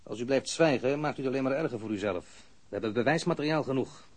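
An actor playing a stern, sarcastic police interrogator in an audio crime drama, probing formally and relentlessly. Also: male voice, mid-range voice, fast talker, lightly acted. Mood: taunting, insistent.

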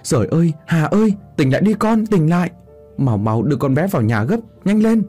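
A man's voice: a little high, very animated, normal speed, mellow, soft background music, pitched above the performer's own voice. A man voicing a frantic parent who cries out urgent pleas to a stricken daughter. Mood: panicked.

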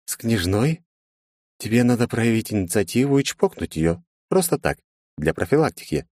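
A man's voice: lowish voice, big pitch swings, normal speed, a little mellow, no room sound, pitched above the performer's own voice. Man doing a crude teasing buddy, slightly raised voice, dry. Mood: mocking. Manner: mocking, blunt advice. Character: crude teasing male friend.

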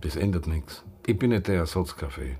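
An actor in a radio drama playing a gay bar owner in his sixties, weary, principled and defiant, with an Austrian accent and a husky voice. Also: sits low, expressive, fairly quick, mellow. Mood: bitter, weary. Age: 60s. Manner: dialect-tinged, impassioned, reflective. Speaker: lead actor and narrator. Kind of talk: radio drama acting and first-person narration.

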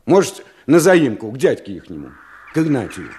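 A man's voice: mid-range voice, huge pitch swings, a little fast, a little mellow. An actor playing a plain-spoken village man in a radio drama, folksy and matter-of-fact. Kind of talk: Russian radio drama acting. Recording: faint background noise.

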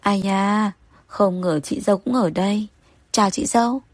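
A woman's voice: medium pitch, moderate pace, no room sound, lightly acted. A woman voicing a cheeky, chatty young man in an audio story.

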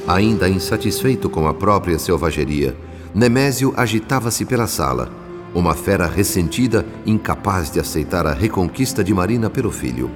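Deep-voiced male narrator in long reverb. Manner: solemn, literary, measured delivery. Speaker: radio drama narrator. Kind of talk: scripted dramatic narration. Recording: long reverb, music behind.

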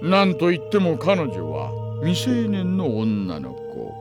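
An actor playing a wily, smooth-talking middle-aged police detective in an audio drama, unctuously polite and insinuating. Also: male voice, fairly high pitch, wildly swooping pitch, slow, over music, heavily acted. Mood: calm persuasion. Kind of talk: Japanese audio drama acting.

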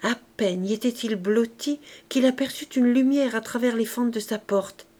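A woman narrating a classic novel as an audiobook reader, in a measured, expressive way. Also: fairly high pitch. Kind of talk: scripted narration.

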